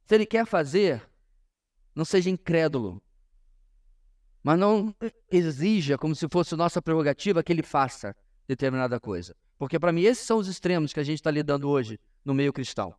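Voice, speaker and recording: A man with a Brazilian Portuguese accent teaches a church class as a pastor, in an informal sermon style, emphatic and often pausing to address his listeners directly. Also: on the high side, animated, darkish tone. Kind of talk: informal sermon-like lesson to a congregation.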